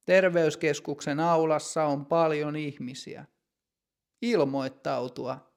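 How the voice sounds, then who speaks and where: A man reads a simple learner's story aloud in a slow, clear, deliberate way. His voice sits a little high and carries a gravelly fry. The delivery is plain scripted narration for students. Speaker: language teacher narrator.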